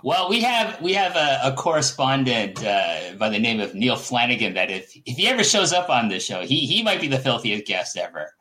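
Bright-voiced male podcast host, halting delivery. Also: medium pitch, big pitch swings. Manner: halting, repeats words as he goes. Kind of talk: casual interview chat.

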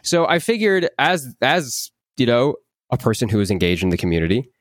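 A man in his twenties, a voice actor, chatting in an interview, animated and repeating words as he acts out quotes. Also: mid-range voice, brisk, no echo, clean studio sound. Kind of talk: casual interview chat.

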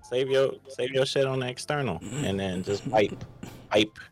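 A man's voice: mid-range voice, normal speed, a little mellow, faint music behind. A man with an African American English accent, bantering casually as a guest on a podcast.

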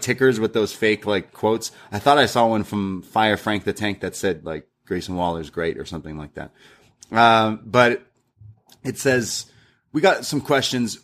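A young man casually recapping a wrestling show, retelling lines in a lively, animated way. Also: on the low side. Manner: lively recap with acted-out quotes.

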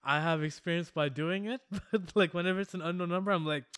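Male podcast co-host, casual storyteller, laughs a lot, slightly high smooth voice. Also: fast talker, a bit bright, dry recording, clean studio sound. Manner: laughs often, swears, rambling storytelling. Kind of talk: casual chat.

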